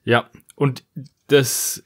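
A man co-hosting a podcast in casual review chat, opinionated and quick to argue a point. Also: no echo, clean studio sound. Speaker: podcast host. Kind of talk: casual review chat about audio dramas.

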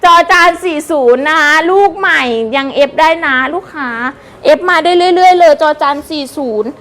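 A woman selling on a live stream with fast, excitable hype, gushing and repeating prices while chatting to customers. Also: extremely high pitch. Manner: chatty, addresses viewers with polite endearments. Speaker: live-stream seller of wholesale second-hand clothing.

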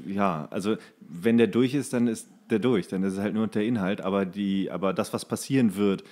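A man's voice: on the low side, normal speed, darkish tone. A man co-hosting a casual chat podcast, talking colloquially in rambling sentences that often trail off. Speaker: podcast co-host. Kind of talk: casual chat about series.

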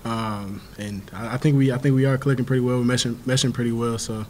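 Calm young man at a press table. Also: medium pitch, slight background noise. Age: 20s. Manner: halting, repeats words, calm and modest. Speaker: college basketball player. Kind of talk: post-game press conference. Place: press room before a sponsor backdrop. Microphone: table mic in front of him.

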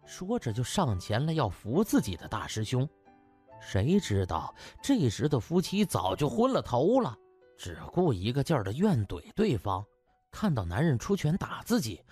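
A man narrating a comic audiobook in a theatrical, colloquial storyteller's manner with a husky voice. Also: mid-range voice, huge pitch swings, normal speed, a little mellow, faint music behind.

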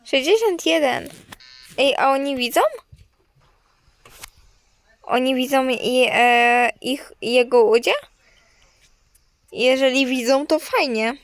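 Young girl streaming a game, talks to her viewers, gushy, high-pitched, super dry mic. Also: slow pace, long pauses, no room sound. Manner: gushing, talks to viewers, shrieks when winning. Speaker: gaming streamer. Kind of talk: excited gameplay commentary.

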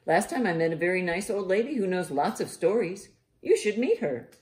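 A woman's voice: fairly low pitch, sing-song, a little fast, darkish tone. A woman voicing an easygoing, kind young girl bee, a best friend in a children's storybook. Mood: gently persuasive. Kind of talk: children's storybook read-aloud.

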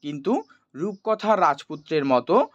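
A man's voice: a little high, animated, a little slow. A man teaching in an explanatory, didactic way, as if to school students, checking that they follow. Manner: didactic, checks understanding with short questions. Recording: roomy echo, dull lo-fi sound.

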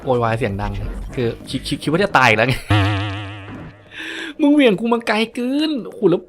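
A man's voice: mid-range voice, fairly quick, faint music behind. A man commentating a live game stream, yelping and exclaiming often as he plays, then thanking his viewers. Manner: excitable, yelps and exclaims often. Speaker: gaming streamer.

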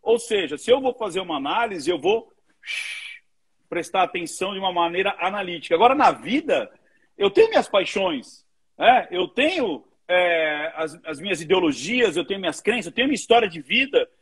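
A man with a Brazilian Portuguese accent hosts a relaxed conversation. His voice is slightly husky and sits a little high, and he talks in a quick, chatty way full of small fillers. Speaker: interview host. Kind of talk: casual interview over a live video call.

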